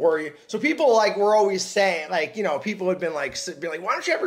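A man with an American accent, high pitch, and a very fast pace. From New Jersey, Bergen County; New Jersey. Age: 30s. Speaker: comedian and show producer; comedian. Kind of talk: casual chat. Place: home room. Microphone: camera far.

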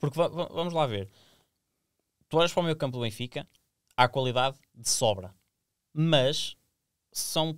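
A man with a European Portuguese accent, fairly quick pace and ordinary pitch variation, over a quiet background. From Portugal. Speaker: football pundit. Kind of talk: casual chat. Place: studio. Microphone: studio mic.

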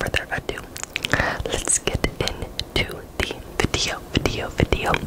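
A woman whispers in a soothing tone at a fairly slow pace. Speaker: ASMR creator. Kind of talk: whispered ASMR sleep video. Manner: whispered, soothing, repetitive. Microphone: studio mic.

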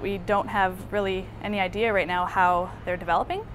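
Over music in the background, a woman talks at a moderate pace with monotone, flat intonation. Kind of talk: interview answer. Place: office. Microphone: lapel.

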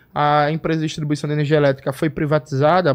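This man's voice has a fairly high pitch. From Brazil. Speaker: communist commentator. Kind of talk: political discussion. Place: home room. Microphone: studio mic.

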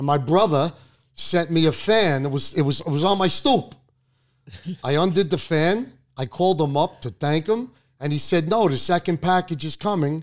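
Speaking in a Brooklyn accent, a man with a fairly high pitch keeps a moderate pace and ordinary pitch variation. The background is quiet. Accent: Brooklyn New York. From New York. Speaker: talk show host. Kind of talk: casual chat. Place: office. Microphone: handheld.

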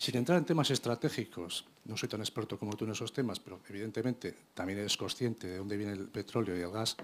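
A man's fairly low voice at a very fast pace, hardly any pauses and ordinary pitch variation. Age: 50s. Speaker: audience member. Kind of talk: audience question. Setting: lecture hall with audience.

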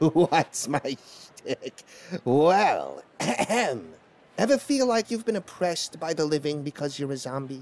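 Using a put-on character voice, a man talks at a fairly slow pace and a fairly high pitch, leaving long, frequent pauses. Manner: pompous, sarcastic, blustering.

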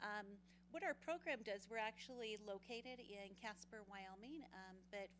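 Against noticeable background noise, the speech moves at a moderate pace with fairly even intonation. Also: woman. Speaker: nonprofit director addressing council. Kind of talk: public presentation. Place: hall. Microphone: podium.

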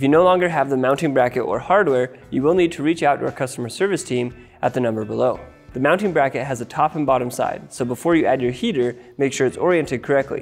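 A man talks at a very fast pace with ordinary pitch variation. Faint music plays in the background. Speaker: presenter. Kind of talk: tutorial. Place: studio. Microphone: lapel.

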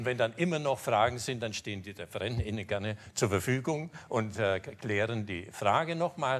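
Using an ordinary speaking voice, a man talks at a moderate pace in a medium pitch with lively intonation. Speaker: event moderator. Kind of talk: formal introduction. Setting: stage with audience. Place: hall.

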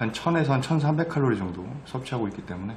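With light background noise behind him, a man speaks with lively intonation. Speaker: fitness vlogger. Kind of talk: casual vlog chat. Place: home room. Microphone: webcam.

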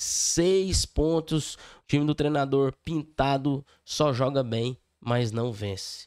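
Against a quiet background, a man with a Brazilian accent talks at a very slow pace with ordinary pitch variation. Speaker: football commentator. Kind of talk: casual commentary on league table. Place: home room. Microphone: studio mic.

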